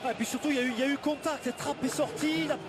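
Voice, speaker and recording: Very high-pitched, excited male football pundit. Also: racing, music in the background, crowd noise. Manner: animated, emphatic, repeats words for emphasis. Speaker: football co-commentator and analyst. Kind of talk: excited sports commentary, replay analysis. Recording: loud stadium noise behind the voice. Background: loud stadium ambience.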